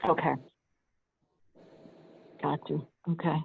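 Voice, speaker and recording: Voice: medium pitch, flat delivery, slow, gravelly, slight background noise. A committee chair who talks hesitantly in a meeting, with many restarts and repeated okays. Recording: tinny phone line.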